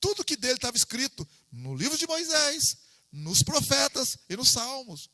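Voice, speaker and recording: A man's voice: very high voice, very animated, normal speed, pushed and bright, no echo, in a large hall. A man with a Brazilian Portuguese accent, teaching a Bible study as an informal sermon, talking conversationally, repeating himself and calling for amens. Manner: conversational, repeats himself, asks the listeners for "amém".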